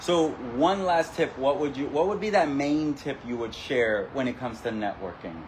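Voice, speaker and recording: Loud, enthusiastic speech with very wide pitch swings. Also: man. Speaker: networking event host and interviewer. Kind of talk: interview. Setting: networking event venue.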